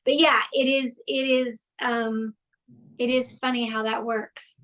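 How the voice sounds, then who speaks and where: Woman, Houston accent, high voice, chatty interview guest who rambles. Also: flat delivery, a little slow, fairly bright tone. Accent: Houston, Texas. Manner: chatty, rambling with fillers and restarts. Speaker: voice actress, podcast guest. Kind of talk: casual interview chat.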